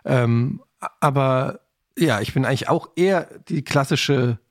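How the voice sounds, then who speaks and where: A man with a medium-pitched voice reminisces in relaxed podcast conversation as a co-host. The sound is close and dry. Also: a little slow, no room sound. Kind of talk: casual chat, reminiscing.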